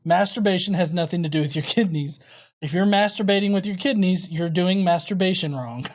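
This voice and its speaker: A man's voice: high voice, a little fast. A young man hosting a crude, sarcastic comedy commentary show, reading viewer comments and mocking them. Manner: profane, sarcastic, mocks commenters in silly voices. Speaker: YouTube host reading comments.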